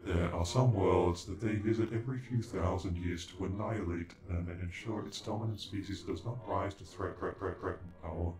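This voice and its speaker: Deep, glitching ancient android. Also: male voice, normal speed, hardly any pauses. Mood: grave, explanatory. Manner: formal, clipped, stilted robotic phrasing with glitchy stutters. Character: male alien android, ancient, cold, sassy, condescending. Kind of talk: scripted ASMR sci-fi roleplay. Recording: echoing, with music behind.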